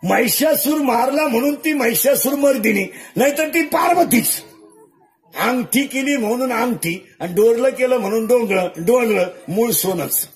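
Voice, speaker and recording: High-voiced joking preacher. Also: male voice, expressive, moderate pace. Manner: jokey, fires rhetorical questions at the audience. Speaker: kirtan preacher. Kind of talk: comic devotional sermon. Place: live gathering before an audience. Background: crowd of listeners.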